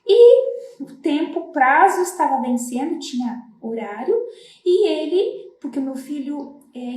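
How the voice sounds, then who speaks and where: A woman's voice: high voice, mellow, echoey room. A middle-aged woman from Brazil, a floral therapist, talking earnestly to parents and explaining with many tag questions. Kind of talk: casual talk to parents.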